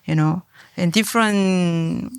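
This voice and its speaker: A woman with a Korean accent speaks as a podcast guest, pausing often to hunt for the right word. Her voice is smooth and clear, caught dry and close on the mic with no room sound. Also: fairly low pitch, dry recording. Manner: hesitant, searching for words with many fillers. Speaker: guest author. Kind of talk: podcast interview.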